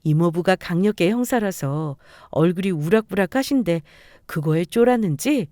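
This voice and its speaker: A woman's voice: on the low side, animated, normal speed, mellow, no room sound, studio quality. A young woman reading a dramatized personal story, emphatic and indignant. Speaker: narrator.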